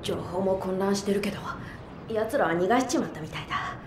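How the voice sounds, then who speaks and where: A woman playing a brash, protective young boy in a Japanese audio drama, speaking in a rough, blunt boyish way. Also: mid-range voice, lively intonation, fairly quick, reverberant, noisy background, close to an everyday voice. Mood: grim.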